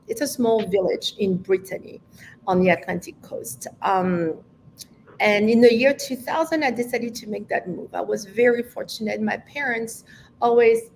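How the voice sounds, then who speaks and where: A woman's voice: medium pitch, vocal fry, a little hiss or hum, poor audio. A woman in her fifties with a French accent, a native French speaker, talking reflectively as an interview guest with frequent restarts. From France. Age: 50s. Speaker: guest, language educator. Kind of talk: conversational interview.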